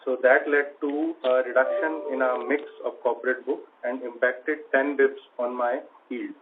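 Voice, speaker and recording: A man with an Indian accent presents a formal financial report as chief financial officer. His pitch is average for a man. He comes through a narrow phone-like line with faint noise. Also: steady tone, moderate pace. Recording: noisy phone-like conference line.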